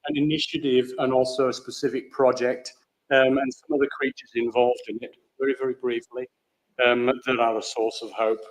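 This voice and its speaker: A man from Australia with a big booming voice, giving a measured, plain-spoken talk on stage into a microphone in a large theatre. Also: poor audio. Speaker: conservation program leader.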